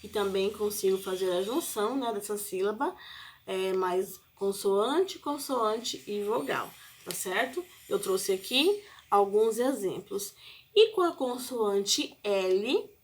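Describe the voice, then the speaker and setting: A Brazilian woman teaches a spelling lesson at an unhurried pace, her voice sitting at an ordinary middle pitch. She leans on each example word, stretching it out patiently for her pupils. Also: lively intonation, a little hiss or hum. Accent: Brazilian Portuguese. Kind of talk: recorded classroom lesson.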